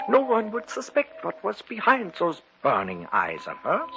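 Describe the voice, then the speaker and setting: A man's voice: high voice, gravelly, full character voice. An actor playing a grave, commanding older man who hunts evil, in dramatic 1950s radio style. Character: elderly male occult investigator, grave and commanding. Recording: dull old radio broadcast with music.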